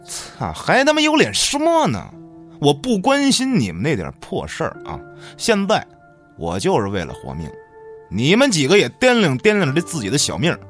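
A man plays a hot-tempered village tough in a radio drama. He is coarse and foul-mouthed, throwing accusations and taunts with a hugely animated pitch, over music. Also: normal speed. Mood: angry, threatening. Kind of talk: Chinese radio drama acting.

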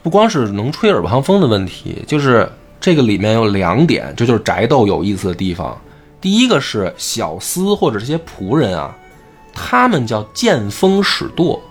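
A man's voice: medium pitch, moderate pace, husky, soft background music. A man hosting a casual talk show, explaining a classic novel and acting out the quoted characters. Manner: animated, acts out quoted characters. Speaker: host.

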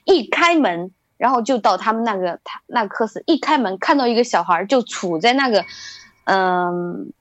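A woman's voice: mid-range voice, normal speed, no echo. A woman recounts a spooky tale in a loose, rambling chat. She doubles back often and lifts her voice as the story builds. The sound is dry and close, with no room around it. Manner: rambling, many restarts and fillers, lively build-up. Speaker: guest storyteller. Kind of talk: casual spoken ghost story.

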